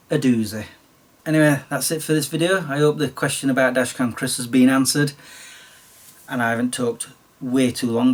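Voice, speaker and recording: A man in his late forties with a Sheffield accent, chatting casually and self-deprecatingly about his past, his voice slightly croaky. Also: mid-range voice, recorded from a distance. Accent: Sheffield English. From Sheffield, England. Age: late 40s. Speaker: YouTuber. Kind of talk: casual storytelling monologue.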